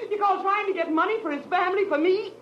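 An actress playing a bitter, half-crazed widow bent on revenge in a 1940s radio crime drama, theatrical, scornful and menacing. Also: female voice, extremely high pitch, quick pace. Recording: muffled old radio recording, faint hiss.

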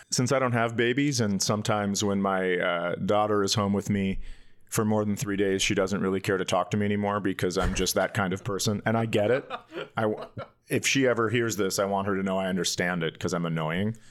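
A man's voice: fairly low pitch, steady tone, fairly quick. A middle-aged man, a comedian and podcast co-host, telling casual comic stories in a candid, self-deprecating way.

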